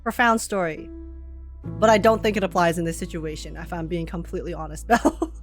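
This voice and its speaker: A woman reacting casually to a game on stream, giggly and excitable, with slang and swearing. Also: fairly low pitch, a little fast, soft background music. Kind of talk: casual gaming reaction commentary.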